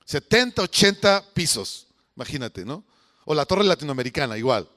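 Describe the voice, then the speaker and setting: A man's voice: a little high, sing-song, normal speed, sharp tone. A man preaching a conversational sermon as pastor, often putting questions to the congregation. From Mexico.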